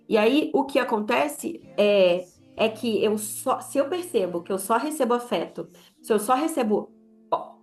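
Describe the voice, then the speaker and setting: A young adult woman with a Brazilian accent gives an informal, chatty sermon to women. She talks conversationally and slips into quoted voices now and then. Her voice sits a little high, and faint music plays underneath. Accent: Brazilian Portuguese. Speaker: women's ministry leader.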